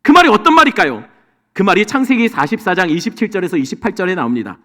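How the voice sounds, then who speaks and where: A man's voice: high voice, big pitch swings, quick pace, bright, forceful tone. A male senior pastor preaching a Sunday sermon to his congregation, throwing rhetorical questions at them. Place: church sanctuary. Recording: long hall reverb.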